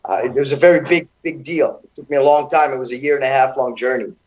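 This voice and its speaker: A man's voice: mid-range voice, fast, a little mellow, muffled recording. A man born in Hungary and raised in Seattle, a talk show guest who speaks chattily and with enthusiasm.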